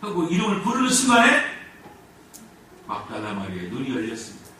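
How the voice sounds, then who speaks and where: A man preaching a sermon as pastor, with animated swings between loud and soft. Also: medium pitch, a little fast. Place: church sanctuary. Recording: echoey church hall from far off, faint noise.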